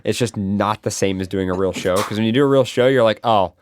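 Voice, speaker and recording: A man's voice: on the low side, a little fast, slight background noise. A man co-hosting a live podcast, telling rambling stories in casual chat. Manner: rambling, lively storytelling. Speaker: podcast co-host. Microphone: studio microphone.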